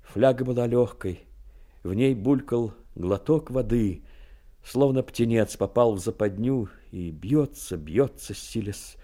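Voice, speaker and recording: A man reading dramatic literary narration of a war story in a measured, expressive way. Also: medium pitch.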